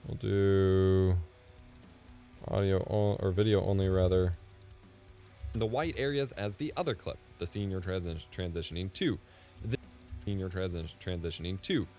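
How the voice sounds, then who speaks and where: A man in his thirties live-streaming from his home setup as he edits video, thinking out loud and muttering asides under his breath. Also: low-pitched, moderate pace, pauses often. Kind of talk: casual live-stream commentary while video editing. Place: home streaming room, indoors. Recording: dry close mic with faint music.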